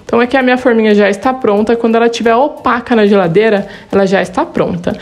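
A woman's voice: a little high, darkish tone. A woman in her thirties with a Brazilian Portuguese accent, hosting a cooking channel and walking viewers through a recipe in a friendly, chatty way that checks in with "tá bom?". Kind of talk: recipe tutorial with voice-over. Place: home kitchen studio for the intro.

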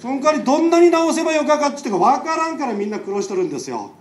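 A man's voice: very high voice, very animated, racing, slight background noise. A man with a Nagasaki accent giving a public lecture as a doctor, chatty and firing rhetorical questions at the audience. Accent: Nagasaki dialect. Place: lecture hall. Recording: echoey hall, mic far off.

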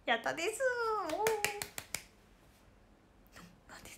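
A woman's voice: sits high, very animated, measured pace, vocal fry, background noise. A woman in her late teens hosting a casual livestream, chatting and giggling while reading viewer comments. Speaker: idol livestream host.

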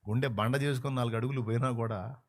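A man preaching a sermon as a pastor, telling a story fervently and swinging between hushed and loud passages. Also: medium pitch, fairly even intonation, fast.

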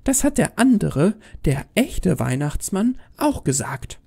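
A man's voice: sits high, big pitch swings, slow pace, gravelly, darkish tone, slightly rough, pitched above the performer's own voice, exaggerated voice. A man voicing a defiant, sceptical little girl with a blunt, cheeky manner in a horror story. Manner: blunt, pert.

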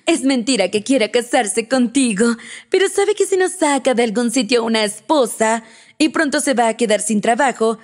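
A woman's voice: fairly high pitch, expressive, moderate pace, lightly acted. A woman reader voicing a drunk, spiteful woman who taunts a rival with mocking, gloating laughter in an audiobook. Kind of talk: audiobook character reading.

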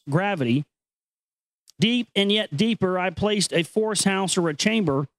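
A man hosts a show, reading an ancient text and switching between dramatic reading and casual, earnest, conspiratorial commentary. His voice is high, with no echo, on a rough recording.

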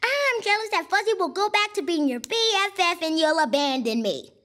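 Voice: high-pitched, very animated, moderate pace, fairly bright tone. A performer voicing an earnest, awkward little boy in a cartoon, loyal and openly jealous. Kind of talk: cartoon voice acting.

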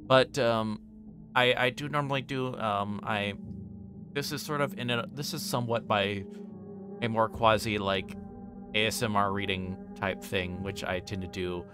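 A man livestreaming a visual novel, moving between quiet reading aloud and halting, casual chat. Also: lowish voice, steady tone, over music. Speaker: livestreamer playing games.

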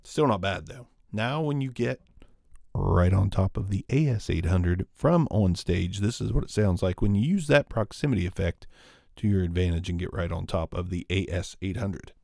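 A man's voice: moderate pace, creaky, mellow, no room sound. A man in his forties reviewing a microphone in a casual, upbeat way, talking close into a studio condenser in a small home studio. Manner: upbeat, conversational, frequent pitch jumps when emphasizing. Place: small dark studio room with guitars. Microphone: studio condenser on boom, close.

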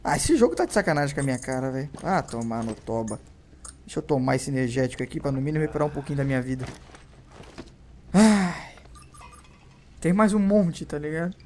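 A young man with a Brazilian accent commentating his gameplay, who swears constantly and yelps and shouts whenever he is startled. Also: on the high side, lively intonation, brisk, long pauses, a little hiss or hum. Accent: Brazilian Portuguese. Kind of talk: let's play commentary.

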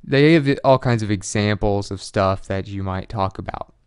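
A man's voice: fairly low pitch, normal speed, smooth, no echo, studio quality. A man casually walking through websites on screen, talking loosely with fillers and reading out web addresses. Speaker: online money tutorial presenter. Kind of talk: casual screen-share walkthrough.

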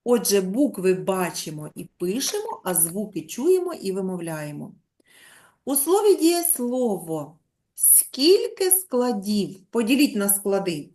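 A woman primary school teacher giving an online lesson to young children. She dictates slowly, stretches out words and sounds out letters one by one, and keeps prompting the pupils with questions. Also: medium pitch, big pitch swings, darkish tone. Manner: drawn-out, slow dictation, sounding out letters and syllables.

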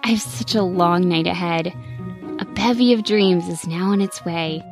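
A woman voicing an eager little girl fox in a storybook, excited and pleading. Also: on the low side, normal speed, soft background music, close to an everyday voice.

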